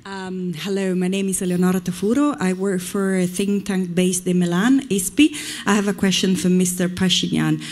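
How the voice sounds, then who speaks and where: A woman's voice: on the low side, little pitch movement, moderate pace, darkish tone. A woman in the audience at a forum, asking a panelist a composed, polite question.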